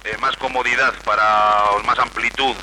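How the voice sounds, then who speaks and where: A man gives measured, calm orders over a police radio. His voice sits at a middle pitch. Heavy noise fills the old archive transmission.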